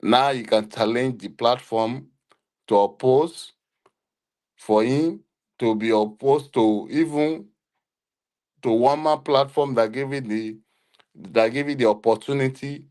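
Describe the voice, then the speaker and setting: Slow, halting Nigerian man. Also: medium pitch, a little mellow. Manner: halting, hesitant, many fillers. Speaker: panelist on a live audio show. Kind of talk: live online discussion.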